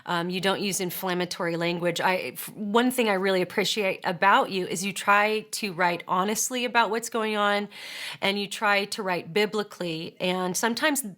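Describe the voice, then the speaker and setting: A woman hosting a podcast interview, introducing her guest in a warm, complimentary and clear way. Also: mid-range voice, moderate pace. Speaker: host.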